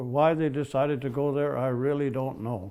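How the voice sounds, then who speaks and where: A man's fairly high voice with a Montreal accent and ordinary pitch variation. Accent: Montreal English Canadian. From Quebec, West Island of Montreal. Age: 80s+. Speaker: retired airline labor relations director. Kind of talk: interview, personal reminiscence.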